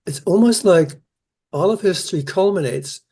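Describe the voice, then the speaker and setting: An older man, born in the Netherlands and raised in New Zealand, answering interview questions about his scripture research in an earnest, measured way. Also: sits high, warm tone, husky. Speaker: Isaiah scholar, keynote speaker.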